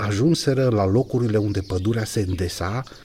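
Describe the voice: Pitch shifts in an ordinary way as the text is plainly read aloud.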